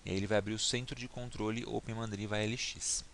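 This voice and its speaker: A man teaching in a relaxed screen-recorded tutorial, narrating each click and often checking in with "tá?". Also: lowish voice, fast, creaky. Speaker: instructor. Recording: faint hiss and mouse clicks.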